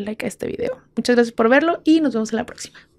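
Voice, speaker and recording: A woman speaks at a very fast pace. Her high voice shows ordinary pitch variation. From Mexico, Guadalajara; Jalisco, Mexico. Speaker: YouTube host. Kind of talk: interview; interview talk. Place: studio. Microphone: studio mic.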